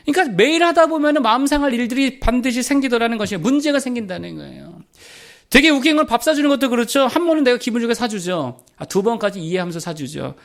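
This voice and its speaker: A middle-aged male pastor preaching a sermon, asking his listeners questions and dropping low to quote people. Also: fairly bright tone. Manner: rhetorical questions, drops to a low voice for quoted lines.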